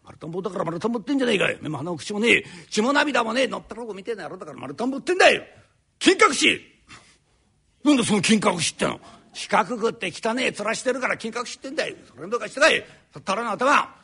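A man's voice: high voice, sing-song, sharp tone, exaggerated voice. A man doing a hot-tempered Edo carpenter. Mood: furious tirade. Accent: Edo downtown speech. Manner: polite pleading turning into a fast, rough tirade. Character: fiery middle-aged male master carpenter, hot-tempered. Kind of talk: rakugo storytelling.

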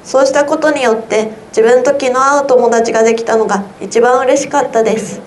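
High school girl reading her own essay on air; earnest, steady delivery in a slightly high register. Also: brisk, slight background noise. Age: teens. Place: radio studio.

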